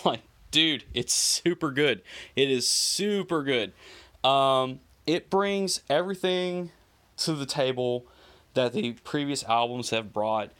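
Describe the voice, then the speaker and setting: An eager man with an average-pitched voice talks through an album in a loose, casual review. He rambles with plenty of fillers and slang. He sounds short of breath. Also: a bit bright. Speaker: music reviewer.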